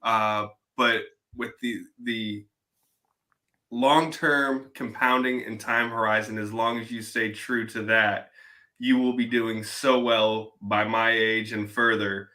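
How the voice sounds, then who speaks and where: A man's voice: lowish voice, level tone, takes it slowly. A middle-aged man chatting on a podcast, encouraging a younger guest. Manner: warmly encouraging. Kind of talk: casual podcast chat.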